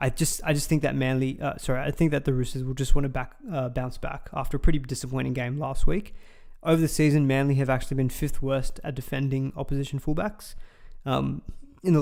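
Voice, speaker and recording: A man with an Australian accent at a fairly quick pace, fairly high in pitch, with fairly even intonation. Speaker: fantasy sports streamer. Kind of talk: live stream chat. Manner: casual, filler-heavy.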